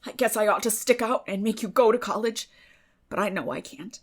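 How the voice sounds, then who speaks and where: A woman plays a reserved older country woman in a classic storybook drama. Her voice is subdued and creaky, and she speaks plainly and haltingly, with tenderness underneath. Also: mid-range voice, natural voice. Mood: moved, yielding. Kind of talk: dramatic audiobook reading of a classic novel.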